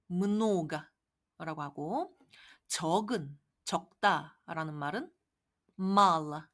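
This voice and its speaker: A woman's voice: lowish voice, a bit bright. Patient woman teaching Russian words. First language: Korean. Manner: patient, repeats each word slowly for learners. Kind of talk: online language lesson.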